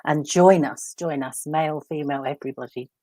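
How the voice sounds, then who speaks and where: A woman with a strikingly deep voice co-hosts a talk show, heard in a dry, close recording. She speaks in an encouraging way and often uses tag questions. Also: brisk, warm tone, no echo. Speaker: co-host.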